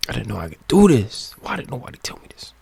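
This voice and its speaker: A man giving casual, colloquial let's play commentary in a gravelly voice, talking to himself. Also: medium pitch, wildly swooping pitch, fast talker, a little mellow, dry recording. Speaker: gaming content creator.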